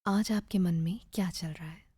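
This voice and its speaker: Breathy, mellow woman guiding a meditation. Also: on the low side, fairly even intonation, no room sound, studio quality. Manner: soothing, measured, with gentle pauses. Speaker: guided meditation narrator. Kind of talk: guided meditation, scripted narration.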